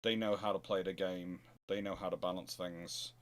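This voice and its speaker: A man's voice: deep voice, flat delivery, normal speed. A man hosting a history question show, thinking aloud in casual, rambling answers and repeating his phrases as he goes.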